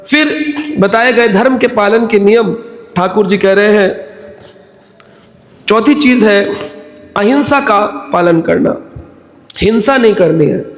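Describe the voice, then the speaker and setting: High-voiced man giving a devotional talk. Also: roomy sound. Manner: chants verses slowly, then explains with playful everyday anecdotes. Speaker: spiritual speaker. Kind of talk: devotional discourse with humorous examples.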